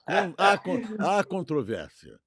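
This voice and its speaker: An older man with a Brazilian Portuguese accent chatting casually as a podcast co-host, halting and repeating words, often seeking agreement. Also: sits high, big pitch swings, a bit bright. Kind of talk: casual chat.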